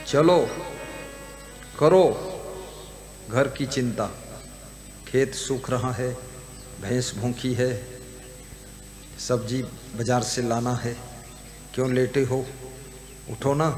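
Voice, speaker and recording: A man's voice: medium pitch, natural voice. A man playing a playful holy man who teasingly coaxes a dead neighbor to get up and do his chores. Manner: teasing, coaxing a corpse to get up. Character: saint Kabir, playful middle-aged holy man. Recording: roomy hall with music behind.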